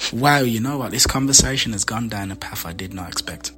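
A man's voice: medium pitch, lively intonation, brisk, fairly bright tone, soft background music. A man with a Jamaican accent hosting a podcast, bantering in a playful, teasing way. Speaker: podcast host. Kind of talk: casual flirty banter.

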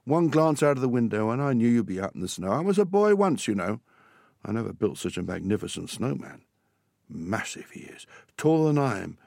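A man reading a storybook as a cross farmer dad who softens into pride. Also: medium pitch, very animated, brisk, creaky, no room sound, clean studio sound. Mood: proud, warm.

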